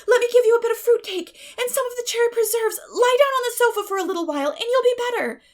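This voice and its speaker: A woman's voice: very high-pitched, fast, voice pushed up. A woman voicing a dramatic, effusive young girl in a storybook, with a gushing, wailing manner. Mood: anxious, pleading.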